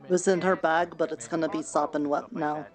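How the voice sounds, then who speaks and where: A woman's voice: low voice, flat delivery, brisk. A woman in casual chat after a roleplay session, playful and teasing, often laughing. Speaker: roleplay group member.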